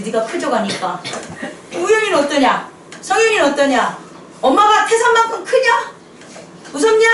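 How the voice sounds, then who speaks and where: Woman, preacher, sermon, very high voice, echoey church room. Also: a little hiss or hum. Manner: lively questioning of listeners, mixes English phrases. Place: small church. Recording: echoey room, voice a bit far from mic.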